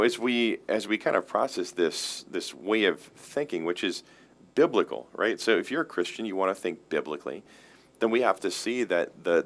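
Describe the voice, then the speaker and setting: A man with a deep voice, a pastor talking through theology in a casual discussion, earnest and explanatory, often restarting and repeating words. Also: fairly bright tone.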